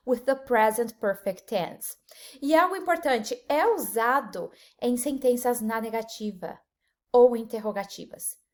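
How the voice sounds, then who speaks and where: A woman with a Brazilian Portuguese accent giving an upbeat online English lesson, slowing down to model English phrases. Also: a little high. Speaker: English teacher.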